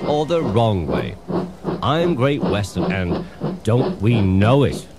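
A man voicing a proud, bustling male steam engine who is smug and teasing, in a storybook reading, with loud music behind. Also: fairly low pitch, very animated, full character voice. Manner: brisk and sure of himself.

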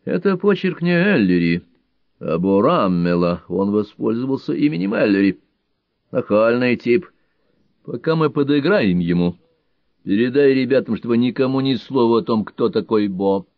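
A man's voice: mid-range voice, expressive, normal speed, no room sound, natural voice. Man doing old police inspector, stern, clipped, dry lo-fi audiobook sound. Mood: hushed urgent.

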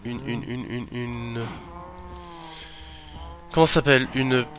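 Narrating a game as a let's play host, he rambles to himself and erupts in startled cursing now and then. Medium pitch, level tone, a slow delivery, and a noisy background.

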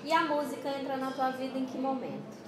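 A woman in her thirties interviewing a guest, asking short questions and giving soft acknowledgments. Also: high voice, fast, reverberant, crowd noise. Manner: brief questions and soft backchannel replies. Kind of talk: casual interview. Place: small office meeting room. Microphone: camera across the table.

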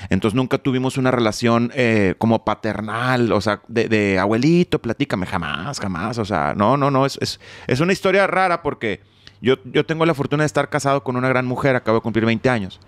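A man's voice: medium pitch, lively intonation, fairly quick, no echo. A middle-aged man telling stories as an interview guest, joking and swearing casually. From Mexico. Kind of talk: casual storytelling.

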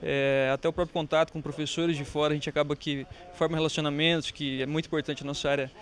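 Young Brazilian man, slightly high voice. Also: flat delivery, fast talker. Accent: Brazilian Portuguese. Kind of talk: on-camera interview. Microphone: handheld reporter mic.

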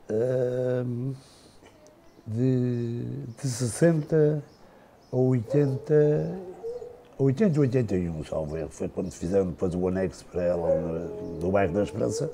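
An older Portuguese man, a podcast guest, slowly recalling his family's past in a halting, unhurried way with many restarts. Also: medium pitch, gravelly, background noise. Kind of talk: casual reminiscing.

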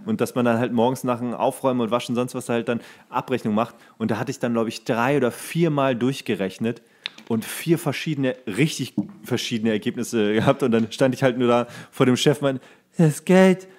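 A man's voice: medium pitch, a little fast, darkish tone. A young man co-hosting a podcast, telling bar anecdotes in colloquial, slangy speech and acting out what people said. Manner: colloquial, slangy, acts out quoted remarks. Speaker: podcast co-host.

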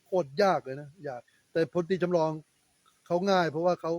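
A man's voice: a little high, a little fast, a little mellow, no room sound. A man delivering a blunt, coarse political commentary monologue, scolding and swearing freely. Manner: scolding, lecturing tone.

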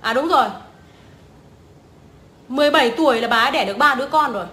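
Scornful, foul-mouthed young woman, bright voice. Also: high-pitched, fast talker. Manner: crude, scornful, swearing often. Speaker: vlogger. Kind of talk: profane ranting commentary. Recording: echoey room.

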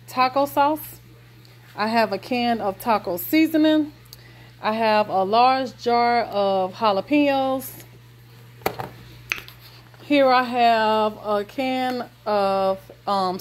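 A woman takes her time naming things, with lots of ums and pauses. Her voice sits a bit high and moves slowly. She is recorded on a phone in a home kitchen, with faint room noise behind her. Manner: slow, listing items with many ums and pauses. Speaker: vlogger. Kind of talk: casual grocery haul walkthrough.

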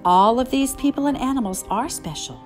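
A woman voicing a kind, reassuring grandmother who gently instructs a child in a picture book. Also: fairly high pitch, animated, a little fast, music in the background, natural voice.

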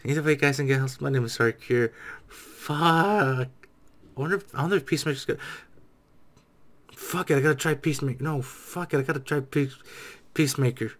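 A man in his twenties giving casual reaction commentary as a streamer, excitable, repeating himself and swearing freely. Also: medium pitch, brisk. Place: small dim room at home.

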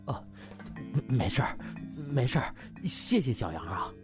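A man voicing an injured male hospital vice director in an audiobook, halting and pained. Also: mid-range voice, sing-song, music in the background. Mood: weak, grateful. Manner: weak, halting, wailing.

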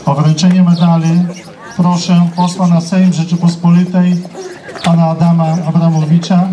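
A man's voice: on the high side, flat delivery, moderate pace, mellow. A man acting as master of ceremonies, formally reading out scripted announcements and lists of names over an outdoor PA. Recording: echoing outdoor PA, distant, faint noise.

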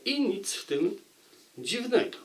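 A man giving an unscripted book review, speaking deliberately and repeating phrases for emphasis. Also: high voice, big pitch swings, rough recording.

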